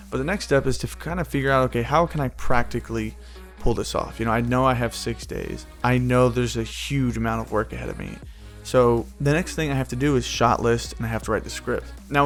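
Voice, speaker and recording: A man who animates, walking through how he made his short film in a relaxed, rambling way full of fillers and restarts. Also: medium pitch. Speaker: animator and video creator. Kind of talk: casual behind-the-scenes walkthrough.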